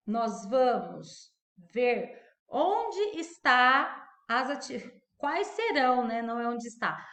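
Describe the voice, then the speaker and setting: A woman's voice: high-pitched, a bit bright, echoey room. A woman teacher giving a recorded grammar lesson, quizzing the class and drawing out key words. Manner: asks the class questions and answers them, stretching key words. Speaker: primary school teacher.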